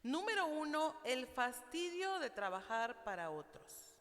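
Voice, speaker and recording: A woman's voice: sits high, sing-song, unhurried, a bit bright. A woman preaching at a women's church meeting, reading scripture aloud and asking her listeners questions. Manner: asks the audience questions, laughs. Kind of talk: sermon with Bible reading. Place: church hall. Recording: hall reverb.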